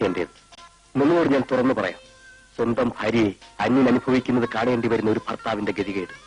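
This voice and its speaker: An actor playing a humiliated husband who speaks gravely and bitterly in a film drama. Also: male voice, mid-range voice, lightly acted. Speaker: troubled husband.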